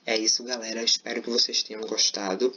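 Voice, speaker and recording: A man's voice: lowish voice, level tone, quick pace, pushed and bright, a little hiss or hum. A man teaching a Portuguese grammar lesson in an informal, explanatory way, often checking in with "certo?" and "beleza?". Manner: informal, repeats himself while explaining. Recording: slightly dull lo-fi recording.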